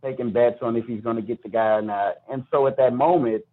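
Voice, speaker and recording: A man's voice: mid-range voice, fairly even intonation, a little fast, narrow, tinny audio. Middle-aged American man, slightly thin-sounding line. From Chicago, United States. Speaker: podcast guest, youth baseball coach and charity founder. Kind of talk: personal storytelling in an interview.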